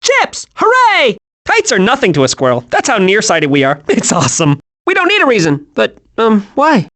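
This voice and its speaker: A man voicing an excitable, scatterbrained, cheerful young male squirrel with a childlike, eager delivery in an animated video game. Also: high voice, normal speed, exaggerated voice. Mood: giddy, excited.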